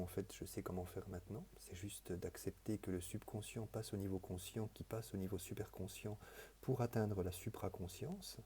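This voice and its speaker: A man with a very dark, mellow voice talks through his book collection in an improvised vlog monologue. He wanders and hesitates, stacking repeated words before he lands a thought. His tone stays earnest and quietly enthusiastic. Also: fairly low pitch, husky. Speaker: vlogger presenting his books.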